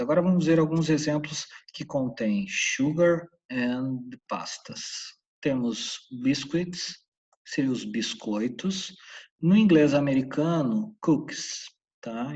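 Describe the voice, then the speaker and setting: A man from Santa Catarina, Brazil, with a Brazilian Portuguese accent, teaching a casual English lesson and repeating the English words slowly, in a husky voice. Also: medium pitch, a little mellow. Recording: dull, distant room mic.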